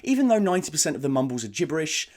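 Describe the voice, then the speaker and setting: A man's voice: fairly high pitch, very animated, rapid-fire. A man narrating a scripted video essay in a casual, enthusiastic and emphatic manner.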